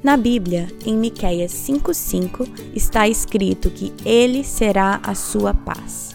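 A woman reading a short scripted devotional in a steady way, with a repeated refrain. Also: mid-range voice, slow, creaky. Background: music bed.

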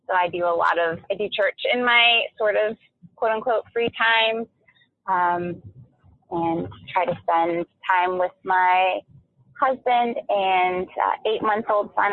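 American woman on a phone-like line. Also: lowish voice. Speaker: minister, panel guest. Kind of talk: casual self-introduction on a group call. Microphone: remote call, dry. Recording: tinny phone-like call audio.

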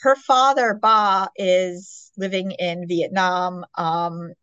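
A woman's voice: lowish voice, steady tone, slow pace, fairly bright tone, clear, resonant tone, no room sound, lo-fi sound. A woman hosting a podcast, chatting casually about books in a peppy, enthusiastic, gushing way. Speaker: podcast host. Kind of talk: casual book chat interview.

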